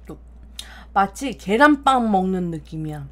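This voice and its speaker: A woman talking through a full mouth as she chews, her words thick and muffled by food. She chats casually and directly to viewers during a mukbang stream, with a middling pitch. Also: big pitch swings, measured pace, fairly bright tone. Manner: chatty, addresses viewers directly. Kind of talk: casual live-stream chat while eating.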